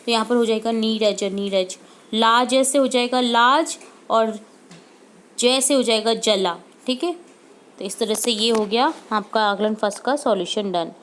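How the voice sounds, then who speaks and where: A woman teacher with a fairly high voice walks students through worksheet answers. She talks patiently, repeating each word slowly and dropping in English words here and there. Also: a bit bright.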